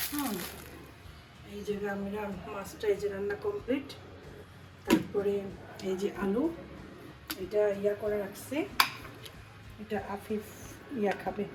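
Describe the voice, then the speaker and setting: With a medium-pitched voice over a noisy background, a home vlogger in her thirties with a Bangladeshi Bengali accent narrates her cooking in a chatty way. She talks to the camera and her family as she handles chores in her kitchen.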